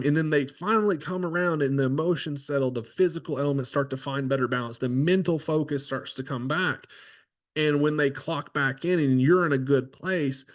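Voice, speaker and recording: A man's voice: mid-range voice, fairly bright tone. Conversational male horse trainer. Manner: conversational, keeps asking "right?"; frequent restarts and filler. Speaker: horse trainer and podcast host. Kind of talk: casual instructional talk.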